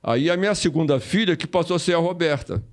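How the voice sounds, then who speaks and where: An older Brazilian former footballer, a guest in an interview, telling stories casually, repeating phrases and acting out quoted voices. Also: male voice, on the high side, fast.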